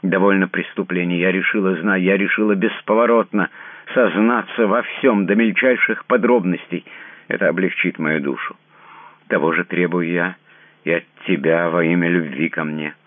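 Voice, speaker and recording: A man puts on a desperate young princess in a cell, her pleading voice lifting above his own. It comes through a tinny, narrow, dry old radio broadcast. A gravelly rasp stays under every line. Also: rumbling low, steady tone, a little fast, no echo. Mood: resolute. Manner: emotional, rising to near shouts.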